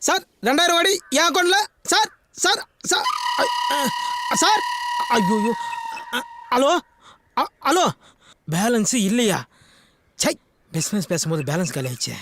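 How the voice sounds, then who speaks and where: An actor playing a boastful, blustering comic character in Tamil film dialogue. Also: male voice, sits high, very animated, unhurried, long pauses, breathy edge, full character voice. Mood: excited. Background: film score music.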